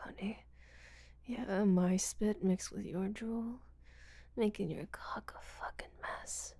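A woman playing a breathy, giggling seductress. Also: medium pitch, mellow, dry recording. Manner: breathy whispering, frequent giggles, teasing. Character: teasing, domineering seductive woman, rough-handed. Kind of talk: audio roleplay.

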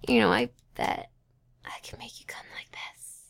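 A young woman performing an intimate roleplay, talking in a teasing, breathy manner and often dropping to a whisper close to the microphone.

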